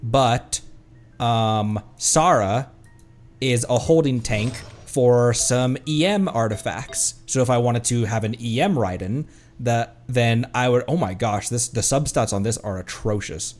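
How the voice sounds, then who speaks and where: A man's voice: mid-range voice, a little slow. A man streaming a video game, chatting casually in a rambling, hesitant way as he thinks aloud. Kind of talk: casual livestream gaming chat. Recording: music in the background. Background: background music.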